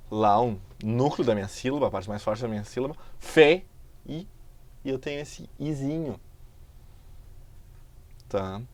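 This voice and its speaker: A man with a Brazilian Portuguese accent teaching a recorded lesson, explaining patiently and stretching example words out slowly. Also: mid-range voice, no room sound.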